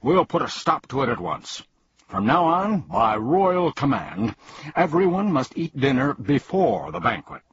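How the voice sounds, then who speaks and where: A man's voice: medium pitch, very animated, measured pace, breathy edge, highs cut off, pitched above the performer's own voice, heavily acted. A man voicing an imperious but melancholy king in a storybook, declaiming in a regal manner. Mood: indignant. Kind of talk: storybook character reading.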